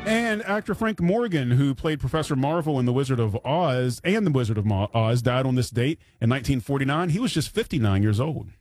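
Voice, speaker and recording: A man hosting a radio news hour, reading date trivia in a smooth, practiced radio host patter with small slips. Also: medium pitch, lively intonation, brisk, few pauses, darkish tone, faint music behind.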